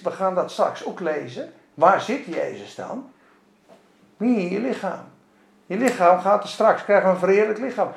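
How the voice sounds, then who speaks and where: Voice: mid-range voice, vocal fry. A Bible study teacher giving emphatic Bible study teaching and putting rhetorical questions to the group. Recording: roomy echo.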